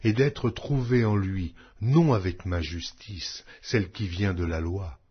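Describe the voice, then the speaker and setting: A man reading scripture as a scripted audiobook narration, in a solemn, measured and declamatory way. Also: low voice, breathy edge. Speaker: Bible narrator. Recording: dull, lo-fi audio.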